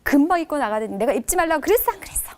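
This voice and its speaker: A woman's voice: high-pitched, very animated, very fast. A woman acting out a tired, irritated mother who snaps and scolds her child. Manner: snappish, scolding.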